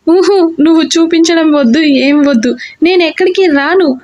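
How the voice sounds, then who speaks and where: A woman's voice: very high-pitched, moderate pace, darkish tone, highs cut off, pitched above the performer's own voice. A woman voicing a shy, flustered young wife in a romantic audiobook story. She plays her protesting and easily embarrassed.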